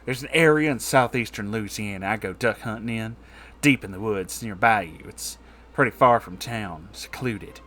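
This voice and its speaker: A man's voice: on the low side, normal speed, a bit bright. A man voicing a hostile, scornful woman hunter in a comedic story reading, curt and menacing. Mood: cold agreement. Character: hostile, scornful Louisiana woman who hunts.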